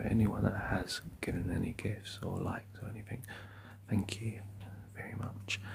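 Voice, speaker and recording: Whispering over noticeable background noise. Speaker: husky owner and live streamer. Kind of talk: casual live stream chat.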